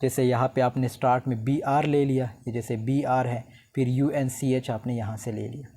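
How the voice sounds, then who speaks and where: In a recorded lecture, a male teacher with a mid-range voice slowly reads English definitions aloud and explains them in a relaxed, conversational way.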